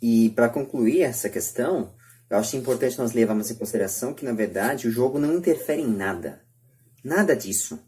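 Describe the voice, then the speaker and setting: Brazilian woman, low voice, emphatic podcast debater who drives points home by repetition. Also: expressive, fairly quick, mellow. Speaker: podcast speaker. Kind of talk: opinionated podcast discussion.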